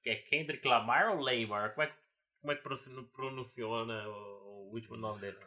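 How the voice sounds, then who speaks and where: A man's voice: medium pitch, fairly even intonation, brisk, crowd noise. A man with a Brazilian Portuguese accent co-hosting a podcast in casual chat, rambling and leaning on fillers. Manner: rambling, fills with "cara" and "entendeu", laughs often. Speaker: podcast co-host.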